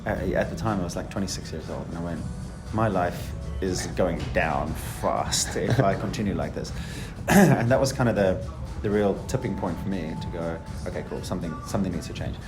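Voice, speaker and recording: A man in his thirties from South Africa, a fitness instructor answering interview questions in a relaxed, chatty way with many ums. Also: low voice, fairly quick, few pauses, over music.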